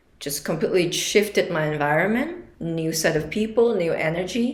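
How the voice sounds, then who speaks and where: A woman's fairly low voice at a moderate pace, with lively intonation and audible room echo. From Vietnam, raised in Czech Republic from childhood. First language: Vietnamese. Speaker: podcast host, interview guest. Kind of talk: casual interview.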